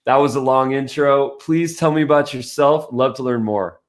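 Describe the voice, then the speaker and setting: Male podcast host, medium pitch, enthusiastic and informal interviewer who readily praises. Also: steady tone, normal speed. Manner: enthusiastic, complimentary. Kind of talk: casual interview chat.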